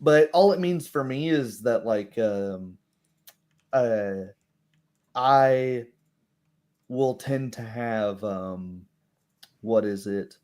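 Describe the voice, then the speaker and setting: A man's voice: medium pitch, expressive, very slow, long pauses, a little mellow. Man casually explaining tabletop game rules. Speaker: game master of a tabletop roleplaying game.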